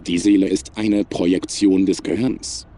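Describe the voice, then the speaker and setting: In a science fiction audio drama, a man plays a cold, superior, menacing artificial intelligence, speaking in a measured, formal, emotionless way. His voice is low-pitched and warm in tone, with fairly even intonation.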